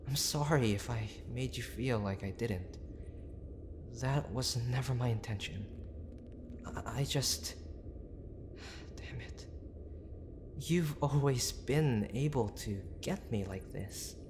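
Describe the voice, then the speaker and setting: A young boyfriend played by a male voice actor, gruff but tender and deeply worried. He speaks slowly and haltingly at a middle pitch, pleading in an intimate audio drama style. Storm ambience runs behind his voice. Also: background noise, close to an everyday voice. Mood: tender, confessing. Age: young adult. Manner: halting, pleading, with sighs and breathy asides.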